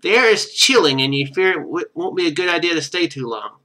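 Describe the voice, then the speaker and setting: A man's voice: on the high side, big pitch swings, brisk, sharp tone. A man doing casual video game commentary, thinking aloud as he plays.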